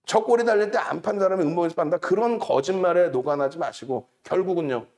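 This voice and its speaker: A man's voice: sits high, quick pace, darkish tone. A middle-aged man hosting a stock market show, lecturing on charts and stock prices in an emphatic way, repeating key numbers and mocking rivals.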